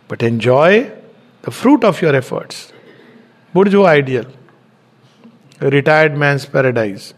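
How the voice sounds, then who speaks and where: A middle-aged man giving an earnest spiritual talk, repeating words for stress. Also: on the high side. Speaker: spiritual lecturer.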